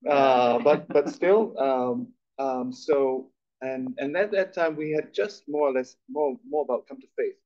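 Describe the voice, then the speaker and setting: A man's voice: medium pitch, unhurried, a little mellow. Chatty self-deprecating man from Malaysia. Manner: chatty, self-deprecating, many repeated starts. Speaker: guest speaker. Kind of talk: conversational interview on stage. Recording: dull lo-fi recording.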